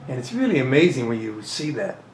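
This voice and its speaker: A man of middle pitch hosts a talk show and speaks in halting, repeated phrases. The room sounds echoey around him. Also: very animated, darkish tone, slight background noise. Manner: halting, repeats himself, admiring. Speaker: host. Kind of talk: casual talk show interview.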